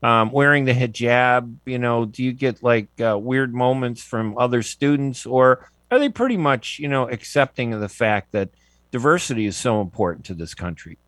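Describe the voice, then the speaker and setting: A man's voice: mid-range voice, lively intonation, normal speed, a bit bright, no room sound. A man in his seventies hosting a radio interview, chatty and digressive, often restarting his sentences. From United States. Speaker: radio show host.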